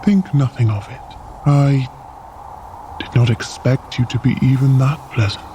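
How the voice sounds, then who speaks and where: An actor playing a reserved, sincere frost giant guide in an audio drama, with formal, measured, stiff speech. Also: male voice, mid-range voice, fairly even intonation, close to an everyday voice. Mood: matter-of-fact. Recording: noticeable outdoor ambience noise.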